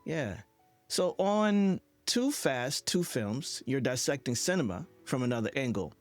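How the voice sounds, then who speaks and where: A man's voice: medium pitch, sing-song, a little slow, faint music behind. A man hosting a conversational interview, asking questions and giving short, attentive affirmations. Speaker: interviewer, host.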